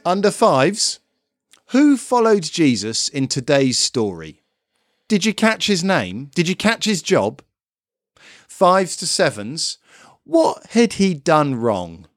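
Slow, expressive male preacher. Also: on the high side, no echo. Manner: expressive, emphatic lists. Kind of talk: children's sermon. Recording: dry close recording.

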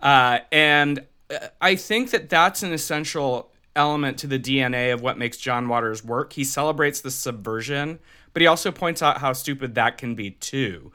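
A man's voice: mid-range voice, moderate pace, sharp tone, clear, resonant tone. A man co-hosting a film podcast, thoughtful, building a point and then asking the guest a question. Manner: thoughtful, asks reflective questions. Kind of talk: casual film discussion.

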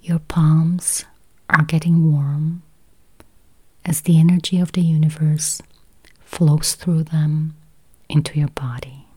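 A woman guides a meditation in a whisper, moving very slowly and unhurriedly. Her voice is low, breathy, flat and even, and she draws out every counted number and each repeated phrase in a soft, repetitive way.

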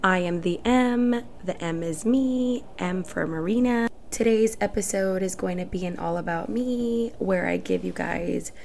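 A woman's voice: lowish voice, a little slow, creaky, hardly any pauses, darkish tone, slight background noise. A woman in her twenties, born in El Salvador and raised in Houston, talks earnestly and reflectively in short phrases as the host of her own solo podcast. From El Salvador, raised in Houston, Texas. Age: 20s.

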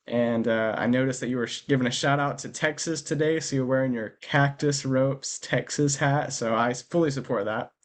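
A man with a medium-pitched voice hosting a casual interview. His questions come out friendly and easygoing, and he often calls his guest "man". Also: normal speed, hardly any pauses. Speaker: podcast host.

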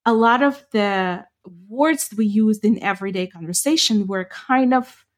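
A woman's voice: mid-range voice, unhurried. Middle-aged woman, thoughtful. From Ukraine. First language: Ukrainian. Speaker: podcast co-host. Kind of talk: casual chat.

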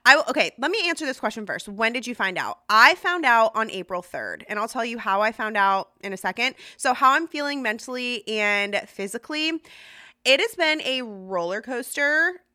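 Bright-voiced woman in her thirties, chatty. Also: on the high side, expressive. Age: 30s. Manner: chatty and confiding, many fillers and restarts, quick asides. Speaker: podcast host. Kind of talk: casual solo podcast chat.

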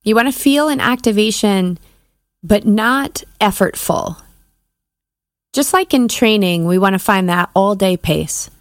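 A woman, a podcast host and coach, leads a guided breathing meditation with measured, soothing instructions and pauses. Her medium-pitched voice is recorded in clean studio sound with no echo.

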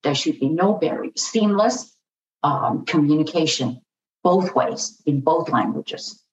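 A woman's voice: sits low, animated, unhurried. Distant woman in an echoey room. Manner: earnest, repeats herself with many "you know" fillers. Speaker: guest. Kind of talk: conversational interview. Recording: distant, roomy, dull audio with faint noise.

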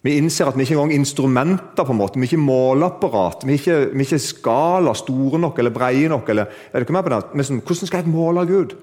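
A man's voice: medium pitch, hardly any pauses, a little mellow. A man preaching a sermon to a congregation, chatting with them and asking them questions, joking about himself, then building to emphatic, lifted declarations. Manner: conversational, asks the audience questions, builds to emphatic lifts; self-deprecating humor with laughs.

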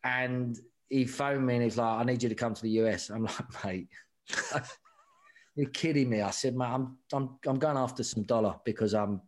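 Over a noisy background, a middle-aged man from England, a rugby sevens coach appearing as a guest, recounts stories frankly and animatedly. His mid-range voice moves at a normal speed, and he tends to repeat words and say "mate".

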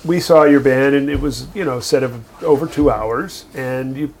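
A man's voice: medium pitch, normal speed, a little hiss or hum. A man co-hosting a casual talk, speaking in a thoughtful, wordy way with dry humor. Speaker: podcast co-host. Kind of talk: casual conversation.

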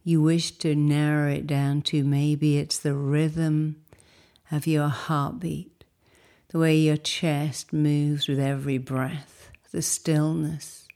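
Slow, low-voiced woman guiding meditation. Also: mellow. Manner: soothing, unhurried, instructive phrasing. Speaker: meditation guide. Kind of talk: guided meditation.

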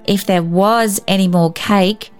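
A woman's voice: mid-range voice, steady tone, slow, clean tone, faint music behind, lightly acted. A woman voicing an earnest, eager little boy in a storybook reading. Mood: joyous.

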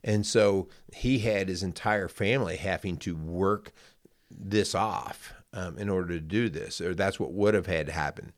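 A man co-hosting a casual faith podcast, reading Scripture and chatting in a relaxed, folksy, joking way. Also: deep voice, unhurried, dry recording. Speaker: podcast co-host.

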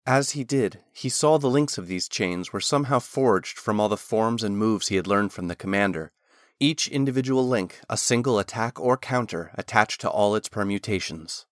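A man reading a fantasy novel chapter aloud as a narrator, in a steady, measured storytelling manner. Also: on the low side, no echo, studio quality.

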